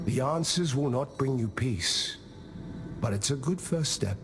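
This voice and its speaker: An actor playing a wise old tribal diplomat in a video game, speaking in a measured, solemn and philosophical way, calm and patient with a gently stern edge. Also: male voice, medium pitch, close to an everyday voice. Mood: calm, caring. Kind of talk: scripted video game character monologue. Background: music.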